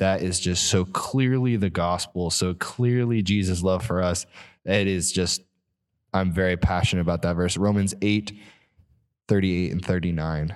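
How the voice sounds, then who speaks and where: Very deep, low-pitched male voice with an American accent, very even loudness, fairly even intonation and a moderate pace, over a quiet background. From New Mexico, US. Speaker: pastor. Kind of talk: casual interview.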